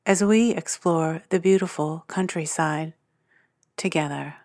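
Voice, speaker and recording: A woman guiding a sleep meditation in a soothing, hushed, measured manner with long pauses between phrases. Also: deep voice, no room sound, clean studio sound. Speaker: meditation guide, podcast host. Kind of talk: guided sleep meditation narration. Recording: music under the voice. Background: soft guitar and piano music.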